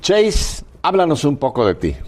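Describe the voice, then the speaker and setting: A man's voice: on the high side, wildly swooping pitch, measured pace, darkish tone. A man hosting a Catholic radio interview, explaining things for viewers and steering his guest with questions. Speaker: radio show host.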